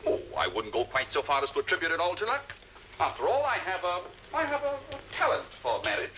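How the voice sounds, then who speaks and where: A pompous, speechifying husband. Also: male voice, high voice, sing-song, fast, bright, forceful tone, lo-fi sound, a little hiss or hum, heavily acted. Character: pompous self-satisfied husband, fond of speeches. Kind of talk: 1950s television drama acting.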